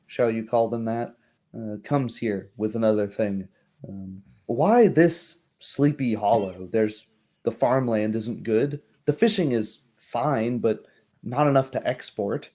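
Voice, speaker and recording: A man voicing a courteous, shrewd baroness in a tabletop roleplaying game, with measured, genteel phrasing. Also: medium pitch, warm tone, natural voice. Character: courteous, shrewd baroness, a noblewoman musing over her troubled land.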